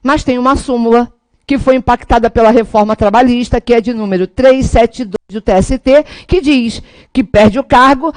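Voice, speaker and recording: A Brazilian Portuguese woman delivering an energetic law lesson with a high voice. She rallies and coaches her students directly. The sound is dry and close, with no room around it. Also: no room sound. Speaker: law teacher. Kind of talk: lively classroom lecture.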